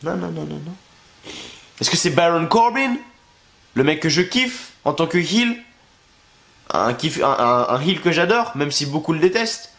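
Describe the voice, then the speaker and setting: A man's voice: on the high side, expressive, measured pace, creaky, long pauses, a bit bright. Sick young male vlogger, congested, sarcastic and crude, recorded in a roomy space. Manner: crude, exasperated, sarcastic ranting. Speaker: wrestling review youtuber. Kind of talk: ranting video review. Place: at home, in a bedroom. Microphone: camera facing him.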